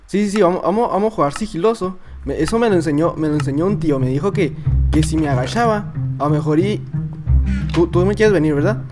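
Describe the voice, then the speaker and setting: A man with a Mexican accent voicing a naive, boastful little boy, chattering excitedly through comedic gameplay commentary. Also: sits high. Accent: Mexican Spanish. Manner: childish, excitable, chattering to himself. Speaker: gamer.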